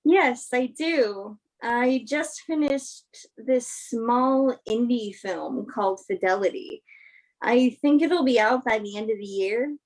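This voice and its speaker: Slow, high-voiced, candid female film star played by an actress. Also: low-quality recording. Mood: earnest. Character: female movie star, candid, principled, thoughtful. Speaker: actress in a virtual staged reading. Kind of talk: naturalistic play reading, conversational interview.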